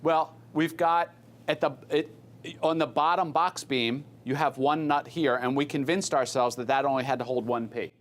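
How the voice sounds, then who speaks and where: An American man teaching an engineering class informally, asking students quick questions and repeating their answers. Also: mid-range voice, steady tone, slight background noise.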